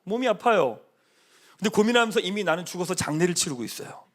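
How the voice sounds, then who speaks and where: Animated, high-voiced male pastor preaching. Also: fast talker. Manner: animated, coaxing the congregation with call-and-response; drops to a soft, hushed voice when voicing God's promises. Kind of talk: sermon. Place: church sanctuary.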